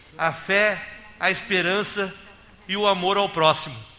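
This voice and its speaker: Raised and projected, a man's high-pitched voice keeps a fairly even intonation. Room echo is audible. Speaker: city councillor. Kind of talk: council speech.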